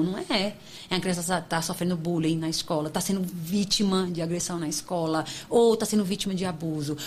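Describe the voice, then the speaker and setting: A woman psychologist, a podcast guest, explaining in an emphatic, animated way with sudden high exclamations. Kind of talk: podcast interview talk.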